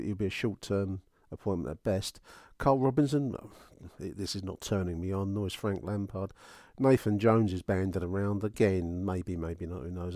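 A man with a fairly low voice hosts a fan podcast in a dry, close recording. He talks wryly to his listeners, rambling through his opinions and circling back over his own phrases. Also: darkish tone, no room sound. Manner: wry, rambling, repeats phrases. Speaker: podcast host. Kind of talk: chatty fan podcast commentary, addressing listeners.

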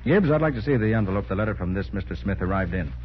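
An American actor playing a confident, shrewd private detective with brisk, probing questions in 1940s radio crime drama style. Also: male voice, on the low side, lively intonation, natural voice. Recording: muffled, noisy 1940s radio recording.

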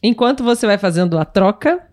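A woman's voice: mid-range voice, expressive, fairly quick, a little mellow. A woman co-hosting a live podcast, explaining words in a casual, light way over a video call. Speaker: podcast co-host.

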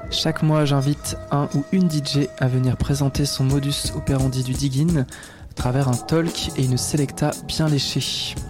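Male radio host, measured announcer delivery, faint music underneath. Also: medium pitch, a little mellow. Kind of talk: radio interview, scripted intro then casual chat. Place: radio studio.

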